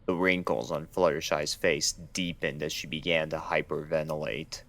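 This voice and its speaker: Low-voiced man narrating a story. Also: flat delivery, moderate pace, fairly bright tone. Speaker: narrator reading fan fiction.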